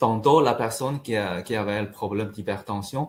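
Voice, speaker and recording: A man with a Chinese accent and ordinary pitch variation. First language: Chinese (speaking French). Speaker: traditional Chinese medicine practitioner and teacher. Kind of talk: interview. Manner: halting.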